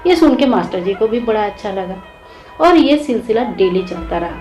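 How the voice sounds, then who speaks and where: A woman's voice: mid-range voice, expressive, normal speed, darkish tone, faint music behind, rough recording. A woman telling a devotional story in a simple, homely way.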